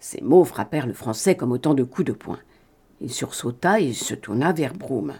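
A woman narrating an adventure novel as an audiobook reader, in an expressive, even-paced reading. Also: rumbling low, normal speed, breathy edge.

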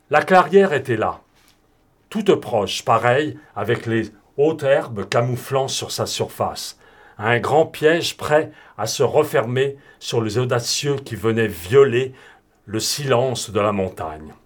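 A man narrating an adventure novel as an audiobook reader, in a steady, clear reading. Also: medium pitch, takes it slowly.

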